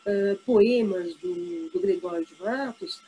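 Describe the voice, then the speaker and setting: A woman's voice: medium pitch, warm tone, slight background noise, rough recording. Brazilian woman teaching a lesson. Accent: Brazilian Portuguese. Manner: explanatory, checks in often with tag questions; reads poetry aloud slowly. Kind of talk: exam review lesson.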